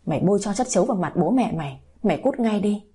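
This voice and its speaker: Give me a woman playing a weeping older mother disowning her daughter, mellow and husky. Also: medium pitch, animated, fast. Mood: anguished anger. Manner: wailing, harsh. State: crying.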